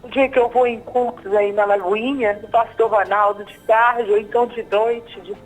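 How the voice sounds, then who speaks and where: A woman in her fifties calling in live to a TV program, halting and repeating herself as she tells of her fears. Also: on the high side, steady tone, soft background music, low-quality recording. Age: 50s. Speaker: caller. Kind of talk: live phone call to a TV program.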